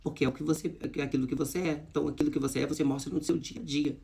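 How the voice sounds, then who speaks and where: A man's voice: on the high side, steady tone, very fast, gravelly, mellow. A man telling viewers a personal story of hardship and faith, talking straight to them in an emotional, heartfelt way. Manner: emotional, addresses viewers as "gente", religious. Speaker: vlogger. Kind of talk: personal testimony to camera.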